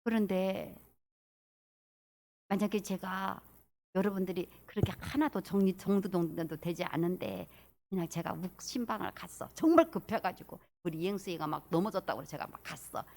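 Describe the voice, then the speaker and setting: A woman's voice: fairly low pitch, moderate pace, vocal fry, a little mellow. A middle-aged woman pastor preaching a sermon in a church, telling stories and acting out her members' voices. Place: church sanctuary.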